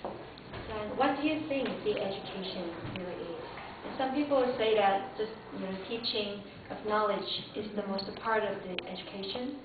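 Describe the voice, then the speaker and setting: A woman interviewing a job applicant, asking questions in a halting way and rephrasing them. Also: medium pitch. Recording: distant echoey lo-fi recording with hiss.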